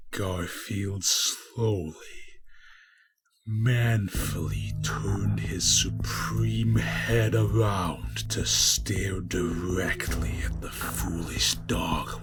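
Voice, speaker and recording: A man delivering scripted narration in a pompous, overwrought mock-epic style, as a grandly dramatic storyteller. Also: fairly low pitch. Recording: music behind the voice. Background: prominent music.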